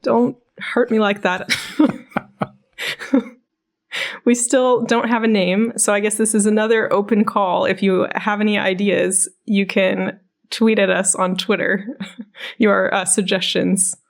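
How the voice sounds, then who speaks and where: A woman co-hosting a podcast. Her voice sits at an average pitch with plenty of vocal fry, and she talks in a casual, conversational way. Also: steady tone, slow. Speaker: podcast co-host.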